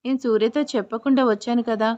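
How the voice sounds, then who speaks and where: Sensitive young wife in an audio drama, voiced by a woman narrator; soft and pleading, higher pitch. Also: fairly even intonation, fast talker, highs cut off, natural voice. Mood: tender pleading. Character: sensitive young bride, tender and easily hurt.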